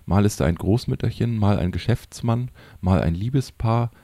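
A man's voice: lowish voice, normal speed, dark tone, no echo. A man voicing a talkative elderly village woman in an audiobook, in a chatty and admiring tone. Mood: fond.

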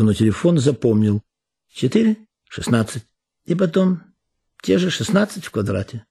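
A man, an actor, reading literary prose in a measured, expressive way with deliberate pauses. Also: mid-range voice. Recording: reading over background music. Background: music.

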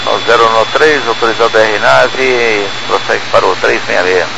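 A man's voice: fairly low pitch, steady tone, normal speed, creaky. Noisy radio transmission, Brazilian male pilot. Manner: speaking over a walkie-talkie style radio. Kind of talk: clipped air traffic radio readbacks.

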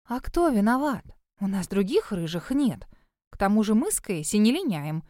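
A woman's voice: medium pitch, big pitch swings, moderate pace, darkish tone, dry recording, natural voice. A woman doing a blunt, grumbling friend. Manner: grumbling, dry and scornful.

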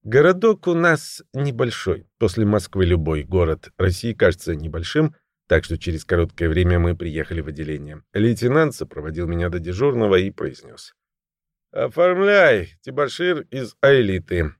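A man's voice: sits low, lively intonation, brisk, a little mellow, no echo, clean studio sound. A man narrating a first-person audiobook story in a wry, ironic storytelling manner.

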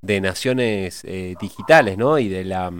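A man in a reflective cultural discussion, pausing often with hesitations as he thinks aloud. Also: sits low, clear, resonant tone. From Argentina.

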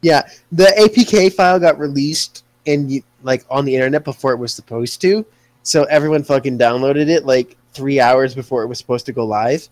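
A young man hosting a casual chat, rambling excitedly and swearing freely. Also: mid-range voice, moderate pace, no echo.

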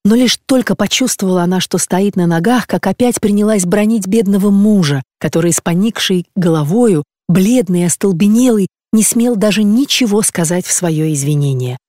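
An audiobook narrator reading classic prose in a measured, even storytelling manner. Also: mid-range voice, no echo, studio quality. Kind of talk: scripted literary narration.

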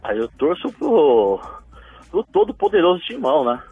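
A man's voice: on the high side, big pitch swings, moderate pace, breathy edge. A man calling in over the phone, a boastful, teasing football fan. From São Paulo, Brazil. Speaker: radio caller. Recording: tinny phone line with faint music.

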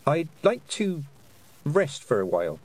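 A man voicing a young witch girl who speaks softly and carefully. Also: fairly high pitch, wildly swooping pitch, measured pace, voice pushed up, heavily acted. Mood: thoughtful.

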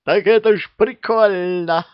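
A man voicing the giddy left head of a three-headed dragon in a storybook reading, giggling and high. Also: animated, takes it slowly, no room sound, dull audio.

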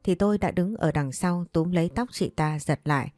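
A woman telling a ghost story in the first person, in a steady dramatic manner. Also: lowish voice, fairly quick, dry recording, studio quality.

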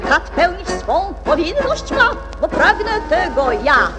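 A woman's voice: very high-pitched, sing-song, slow pace, over loud music, full character voice. A woman playing an imperious, capricious queen who is fond of threats, in a theatrical children's radio play. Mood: imperious threatening. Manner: commanding, regal, theatrical. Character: imperious queen, bloodthirsty and capricious, feigning sweetness.

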